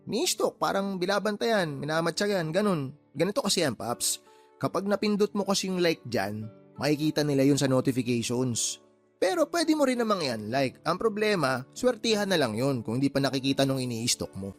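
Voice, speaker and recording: A man's voice: a little high, sing-song, a little fast, faint music behind. An actor playing a teasing, joking male friend in a radio drama, laughing often. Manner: playful, wisecracking, laughs often. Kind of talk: Tagalog radio drama acting.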